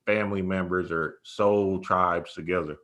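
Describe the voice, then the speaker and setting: Male interviewer, low-pitched with a punchy edge; casual, effusive, full of admiring agreement. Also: fairly even intonation, unhurried, a bit bright. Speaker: host, interviewer.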